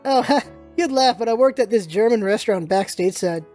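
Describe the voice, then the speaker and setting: A woman's voice: a little high, lively intonation, a little fast, dark tone, faint music behind, close to an everyday voice. A woman playing an easygoing, reluctant but kind soldier in a story reading, talking in casual, slightly hesitant slang. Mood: nostalgic.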